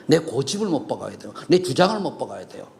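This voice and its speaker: Gravelly, animated Korean pastor preaching. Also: male voice, quick pace, a little hiss or hum. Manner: swings from loud rising questions to low murmured asides; asks the congregation questions and banters with them. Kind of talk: sermon. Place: church sanctuary.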